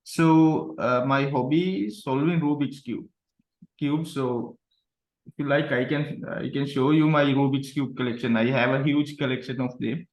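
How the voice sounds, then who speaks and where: A man's voice: mid-range voice, fairly even intonation, a little slow. A young man in his twenties from Sri Lanka introduces himself over a video call. He sounds a little nervous and often repeats words. The room around him echoes. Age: 20s. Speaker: guest. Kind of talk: self-introduction.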